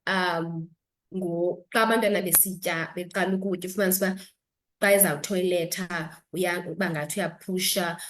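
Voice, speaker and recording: A woman's voice: lowish voice, steady tone, a little fast, fairly bright tone. A woman doctor with a South African accent explaining health advice as an interview guest, instructive and switching between two languages.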